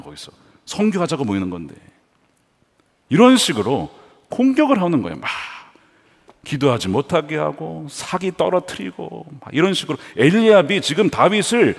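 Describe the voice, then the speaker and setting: A man preaching a sermon as pastor, with dramatic swings from hushed storytelling to loud emphatic calls. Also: high-pitched, long reverb tail. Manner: acts out quoted taunts in a raised voice.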